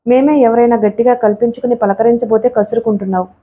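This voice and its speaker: A woman voicing a playful, caring young female student who coaxes her friend with gentle banter. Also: on the high side, fairly even intonation, quick pace, natural voice. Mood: coaxing.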